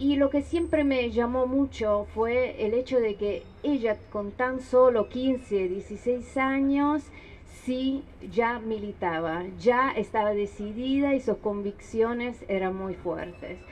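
A woman speaks at a very slow pace. Her voice sits fairly high, with ordinary pitch variation. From Italy. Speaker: victim's relative. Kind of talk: testimony.

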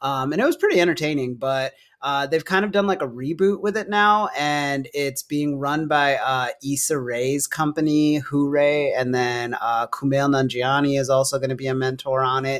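A man with a plain, everyday voice talks at a moderate pace, fairly high in pitch, with ordinary pitch variation and hardly any pauses. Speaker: podcast co-host. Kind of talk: casual chat.

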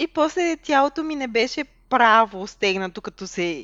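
Her pitch is high, and this woman's voice moves through very wide pitch swings. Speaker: podcast co-host. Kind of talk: casual chat.

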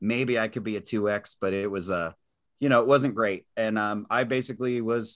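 The speaker has a plain, everyday voice at a moderate pace. Intonation is fairly even, and the background is quiet. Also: man. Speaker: podcaster and fitness coach. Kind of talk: casual chat.

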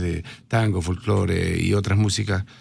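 Here a man talks fairly slowly. The recording is very clean, with a silent background. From Argentina. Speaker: folk music group member. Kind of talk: TV interview. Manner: halting, many fillers.

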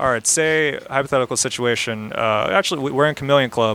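The voice has an American accent and a bright, sharp tone, moving at a moderate pace. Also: man. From New York, the Bronx. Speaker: podcast co-host. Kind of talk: casual chat. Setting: home attic recording.

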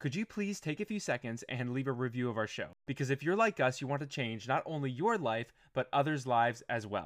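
Speaking in a plain, everyday voice at medium pitch, a man talks at a fairly quick pace with lively intonation and hardly any pauses. The sound is dry and close with no echo, over a quiet background. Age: 30s. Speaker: podcast host. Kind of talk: interview conversation.

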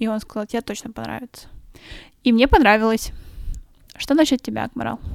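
This woman talks at a fairly quick pace, and the sound is dry and close with no echo. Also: big swings in loudness. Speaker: podcast co-host. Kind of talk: casual chat.

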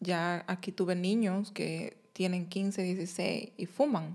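A woman's medium-pitched voice sounds somewhat breathy, with fairly even intonation. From Dominican Republic, Santiago Rodríguez province near Haiti border. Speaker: interview guest, immigrant. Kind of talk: interview, personal life story.

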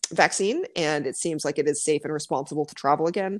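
A woman with an American accent, her pitch very deep and low, with ordinary pitch variation. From Arizona. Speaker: journalist and author. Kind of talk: casual interview. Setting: video call.

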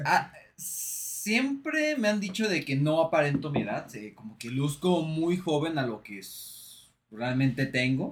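Fairly high male voice with a Mexican accent, lively intonation, fairly slow pace, long and frequent pauses. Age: 20s. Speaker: podcast host. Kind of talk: casual chat.

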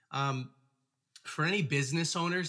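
On a very clean recording with a silent background, a man speaks in a bright, sharp, energetic tone, fairly high-pitched, with ordinary pitch variation at a moderate pace. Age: 20s. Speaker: author and book business founder. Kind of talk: podcast interview.

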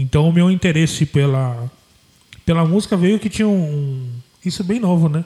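Speaking at a moderate pace, a man with a high-pitched voice uses lively intonation. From Brazil, São Paulo city. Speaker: musician and podcast co-host. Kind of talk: casual chat.

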